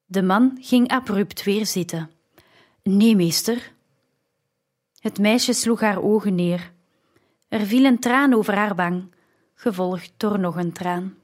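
A woman narrating a story in the first person, with a slow, measured reading. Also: medium pitch. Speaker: audiobook narrator.

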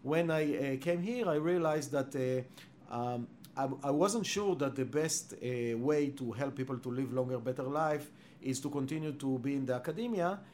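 Israeli-accented man, halting with fillers. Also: mid-range voice, darkish tone, slight background noise. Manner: halting, many "uh" fillers, non-native grammar. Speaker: company founder and chief science officer. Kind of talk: interview answers.

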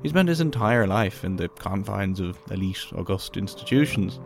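A man hosting a podcast, reading scripted documentary narration in a measured storytelling way. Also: fairly low pitch, expressive, creaky, soft background music.

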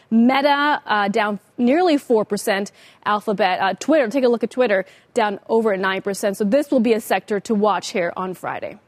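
An American woman anchoring a financial broadcast, delivering rapid market news in a brisk broadcast manner. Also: on the high side, dry recording. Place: TV news studio.

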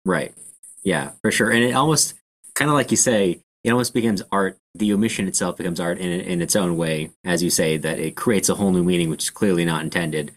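Deep-voiced man, friendly podcast co-host. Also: fairly quick. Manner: friendly, engaged, laughs easily. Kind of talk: casual book discussion.

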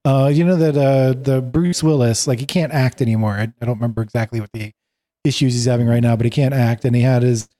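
Man, medium pitch, soft mellow tone; chatty, hesitant podcast panelist. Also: steady tone, quick pace. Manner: chatty, hesitant, many fillers. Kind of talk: casual tech news chat.

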